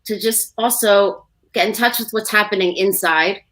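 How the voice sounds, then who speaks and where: A woman's voice: mid-range voice, normal speed, fairly bright tone, poor audio. A woman co-hosting a livestream talk show, chatting casually and giving practical advice with personal examples, full of fillers.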